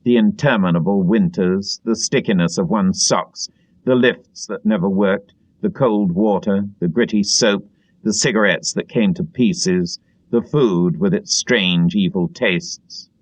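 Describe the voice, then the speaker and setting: A man reading literary narration as an audiobook narrator, in a dramatic, expressive way. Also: fairly low pitch, measured pace, no room sound.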